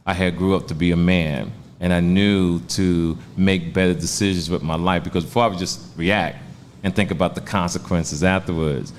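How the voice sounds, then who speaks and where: Low-voiced man in his sixties, streetwise. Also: a little hiss or hum. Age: 60s. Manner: laid-back, streetwise storyteller with profanity. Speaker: stand-up comedian guest. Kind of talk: casual interview storytelling.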